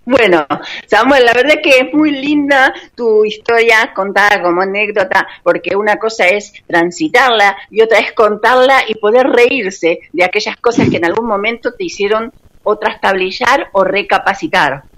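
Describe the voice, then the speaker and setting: A woman's voice: medium pitch, normal speed, fairly bright tone. A woman, hosting a radio interview and closing it with short, friendly remarks. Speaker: radio host. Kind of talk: casual interview.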